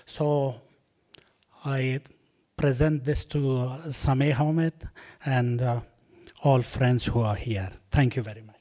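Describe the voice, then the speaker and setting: A man whose first language is Persian, giving a short, halting speech with many pauses and fillers before he performs. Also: medium pitch, steady tone, warm tone. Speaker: guest musician and poet. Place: award ceremony hall.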